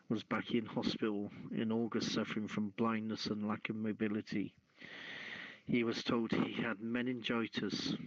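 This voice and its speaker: A man hosting a talk show, reading news and chatting with a halting, stumbling delivery. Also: lowish voice, no echo. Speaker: host of an online talk show. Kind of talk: reading news aloud and casual chat. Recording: dull, lo-fi audio.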